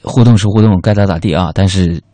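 A man's voice: deep voice, fast, warm tone, dry recording. A man hosting a comic radio talk show, reading listener messages in a playful, self-mocking storytelling way.

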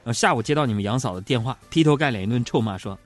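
Rapid-fire and lively in intonation, this middle-aged host's mid-range voice rides over faint background music. On his radio-style humorous talk show, he jokes, teases, and chats his way through stories about being married.

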